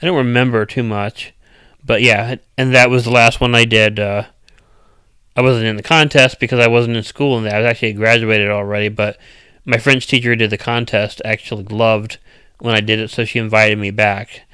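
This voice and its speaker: A man chatting casually with viewers on a stream, with a loud, strong voice and an uneven, rambling cadence full of restarts. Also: fairly low pitch, flat delivery, moderate pace, clean tone, dry recording. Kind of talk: casual live chat.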